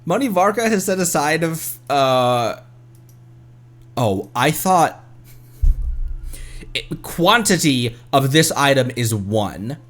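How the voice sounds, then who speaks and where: Animated man streaming a game. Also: fairly high pitch, takes it slowly, long pauses, faint music behind. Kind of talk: casual live game stream commentary.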